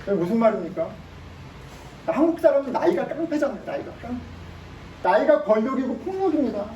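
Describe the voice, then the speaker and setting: A male pastor preaches in a mellow, darker voice that still reaches extremely high pitches with big swings, moving fairly quickly as he presses his points and fires rhetorical questions at the congregation. The muffled recording comes from a distant mic in an echoey church sanctuary, with faint ambient noise beneath.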